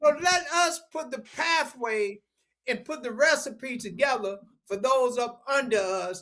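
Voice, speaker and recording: Raising and projecting his voice, a man speaks at an extremely high pitch with a bright, sharp tone, lively intonation and an animated delivery, all at a fairly slow pace. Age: 70s. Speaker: community activist. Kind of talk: podcast discussion.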